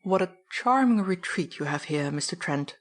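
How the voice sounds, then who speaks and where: Woman reading a smug urbane old gentleman. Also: lowish voice, animated, normal speed, lightly acted. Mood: condescending. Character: stately older German gentleman, urbane and smug.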